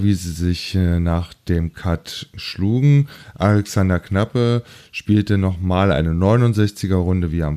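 A man hosting a golf show, reporting results semi-scripted with hesitant, drawn-out phrasing. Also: low voice, warm tone.

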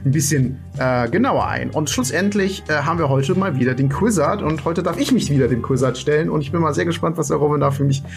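A man co-hosting a casual podcast, talking in a relaxed way with hesitations and fillers. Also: fairly high pitch, fast talker, gravelly, few pauses, faint music behind. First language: not English. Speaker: podcast co-host.

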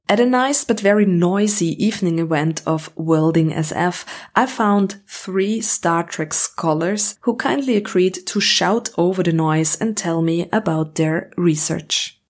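A woman hosts with scripted narration in a fairly low voice. She presents the material as a report. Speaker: host.

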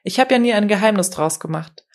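A tired, uneasy young man, quiet and withdrawn, as a woman voices him in an audiobook. He speaks in a subdued, weary way. The tone stays low-key and slightly defensive. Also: animated, fairly quick, close to an everyday voice.

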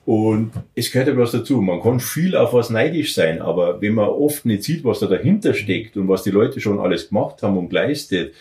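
Bavarian male guest, lowish voice, halting casual delivery. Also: animated, darkish tone, echoey room. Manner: hesitant, with many fillers and restarts. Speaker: podcast guest, athlete. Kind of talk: casual interview talk.

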